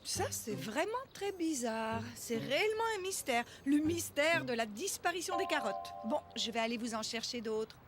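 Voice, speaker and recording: High, lilting cartoon mother played by a woman. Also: normal speed, few pauses, over music, lightly acted. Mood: puzzled. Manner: gentle, expressive, simple address to children. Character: gentle, patient young mother of small children. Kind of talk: children's cartoon dialogue.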